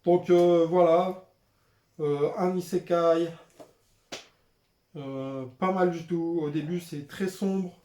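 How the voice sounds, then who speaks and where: A man's voice: a little high, fairly even intonation, slow pace, long pauses, mellow. A young man chatting casually as a vlogger, filling his talk with frequent hesitations. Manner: chatty, with frequent "euh" and "voilà" fillers. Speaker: manga vlogger showing his purchases. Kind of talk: casual unscripted vlog chat. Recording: roomy echoey room.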